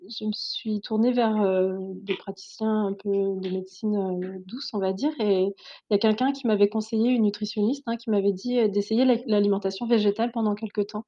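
Laughing French woman, dark lo-fi sound. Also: mid-range voice, fairly even intonation, a little fast. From France. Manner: laughs often, many fillers and restarts. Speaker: Ayurvedic therapist, guest. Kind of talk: casual interview.

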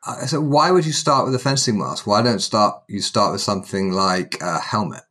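A man's voice: lowish voice, normal speed, bright, forceful tone, breathy edge. A man, hosting a podcast in a chatty, humorous storytelling way. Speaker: podcast host. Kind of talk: casual podcast interview.

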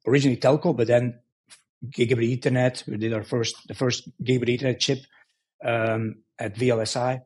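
A middle-aged man from Belgium, a guest in a podcast interview, explaining his work in a measured way with frequent restarts. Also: medium pitch, darkish tone, slightly rough. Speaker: guest, engineering executive.

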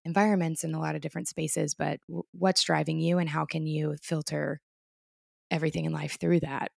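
Woman, podcast co-host, deep voice, heavy vocal fry, encouraging tone. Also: flat delivery, a little fast, dry recording, clean studio sound. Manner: supportive, encouraging listener. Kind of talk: casual chat.

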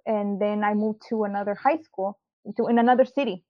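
A woman's voice: medium pitch, fairly even intonation, brisk. A young woman from Mexico, raised in South Texas, giving a casual personal testimony as an interview guest, hesitant and full of ums and likes. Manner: hesitant, many ums and likes, laughs easily. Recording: dull lo-fi sound.

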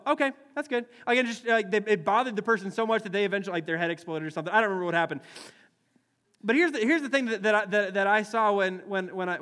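Man, pastor, sermon, animated, high voice, quick delivery. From Wisconsin, US Midwest. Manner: animated, acts out quoted voices, many restarts.

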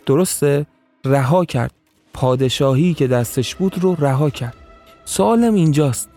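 A man voicing a scheming, powerful male tribal chief who speaks calmly and calculatingly in an audio story. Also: a little high, faint music behind. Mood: pressing.

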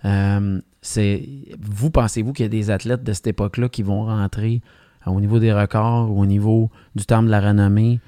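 A man with a Québécois French accent asks questions in a lowish, mellow voice. He sounds curious and encouraging, often stumbling and restarting mid-question. The recording is close and dry. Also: flat delivery, normal speed, dry recording. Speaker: interviewer. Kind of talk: interview questions.

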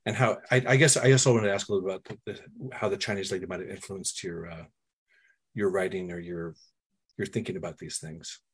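A male interviewer asking a long question in a halting way, restarting and searching for words. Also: deep voice, fairly even intonation, slightly rough.

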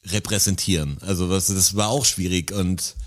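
A man with a fairly low voice talks casually on a podcast. He rambles and jokes and often trails off into quieter asides. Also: fairly even intonation, moderate pace. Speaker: podcast co-host. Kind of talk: casual chat.

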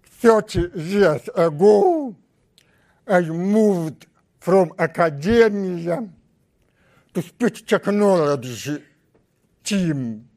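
A man with a strong Russian accent giving a conference talk as a research scientist, speaking slowly in halting, deliberate phrases. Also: high voice, animated, a little mellow. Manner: slow, deliberate, halting speech.

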